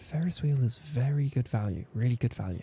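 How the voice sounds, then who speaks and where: A soft-spoken, somewhat breathy man with a relaxed, dark, mellow tone at a moderate pace. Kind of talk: ASMR gameplay ramble, soft-spoken talk to camera. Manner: soft-spoken, quiet, relaxed.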